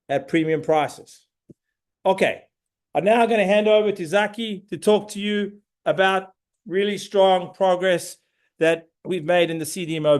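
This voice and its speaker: A middle-aged man, a company CEO, giving an emphatic, punchy product update to shareholders. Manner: emphatic, punchy, step-by-step pitch.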